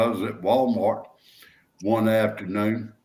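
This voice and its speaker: A man speaks at a fairly slow pace. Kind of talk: casual chat. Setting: late at night at home. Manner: loud.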